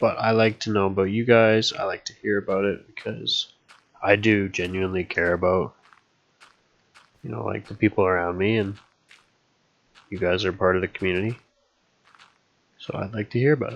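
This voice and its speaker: A quiet man with a fairly low pitch, a relaxed tone and ordinary pitch variation, talking at a fairly quick pace broken by long, frequent pauses. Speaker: gaming streamer. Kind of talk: casual gameplay commentary.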